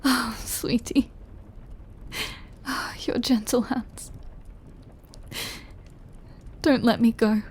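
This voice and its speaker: A woman playing a lonely, tender immortal vampire lover in an intimate audio roleplay, her voice breathy and often half-whispered, with an emotional delivery. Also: a little high, steady tone, slight background noise. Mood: tearful relief. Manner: slow, hushed, emotional delivery with long pauses.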